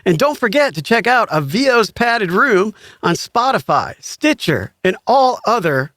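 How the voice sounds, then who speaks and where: Higher-voiced man hosting, dry close sound. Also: sing-song, measured pace, fairly bright tone, no echo. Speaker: podcast host, voiceover artist. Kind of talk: casual chat and show sign-off.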